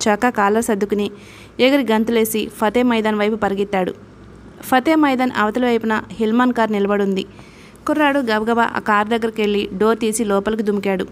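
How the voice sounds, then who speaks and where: Audiobook narrator: a woman with a fairly high voice and a steady read, faint hiss under her. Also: a little fast. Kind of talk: scripted novel narration.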